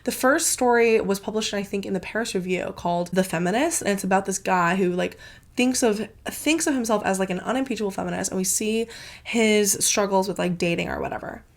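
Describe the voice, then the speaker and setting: A woman's voice: medium pitch, fairly quick. A congested woman hosting her book channel, gushing in a casual, filler-heavy review with plenty of swearing.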